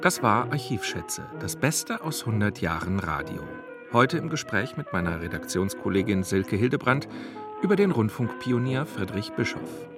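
A man presenting a radio programme in a measured, scripted style, recorded in a studio. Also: on the low side, sing-song, music in the background. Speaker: radio host and editor. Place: dry studio.

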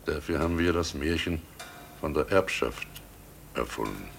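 An actor playing a guilt-ridden, wily village innkeeper, nervous and falsely jovial, in a radio play, with a gravelly, husky voice. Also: male voice, extremely low pitch, lively intonation, normal speed, a little hiss or hum, full character voice. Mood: soothing, persuasive. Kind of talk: German radio play acting.

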